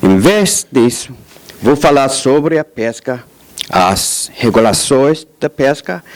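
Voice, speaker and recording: Speaking very slowly with a non-native accent and lively intonation, a man is heard over noticeable background noise. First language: English (speaking Portuguese). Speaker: law professor. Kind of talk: lecture. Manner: halting.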